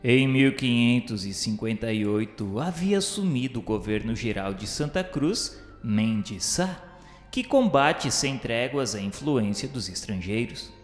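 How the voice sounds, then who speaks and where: A man reads scripted historical narration in a formal, measured, declamatory way, like a solemn radio drama narrator. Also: medium pitch, big pitch swings. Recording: reverberant echoey hall sound with music. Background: music.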